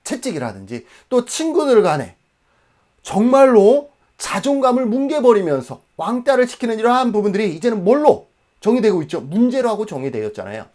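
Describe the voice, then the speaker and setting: A man's voice: high voice, big pitch swings, fairly quick, a little mellow. A man in his forties from Jeju Island, South Korea, giving an exam-prep lecture emphatically, asking questions and answering them himself.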